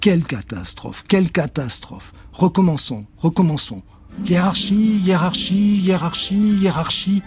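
A man's voice: on the high side, big pitch swings, unhurried, darkish tone, soft background music, pitched above the performer's own voice. A man voicing a polite, bumbling good-hearted witch who keeps chanting spells, in a storybook reading. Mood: flustered.

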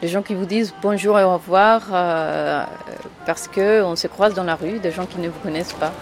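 A woman's voice: on the low side, normal speed, music in the background. Hesitant woman from Latin America. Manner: hesitant, with many fillers. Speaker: interviewee. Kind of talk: documentary interview.

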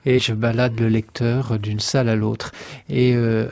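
Slow, halting male poet guest. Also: medium pitch, flat delivery, vocal fry, darkish tone. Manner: halting, thoughtful, repeats words. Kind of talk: radio interview.

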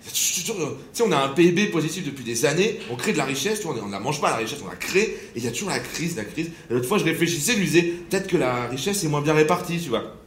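A man's voice: fairly high pitch, expressive, fast, hardly any pauses, background noise. A man performing a sardonic stand-up routine in punchy bursts, played back from a radio segment. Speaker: comedian doing a radio column.

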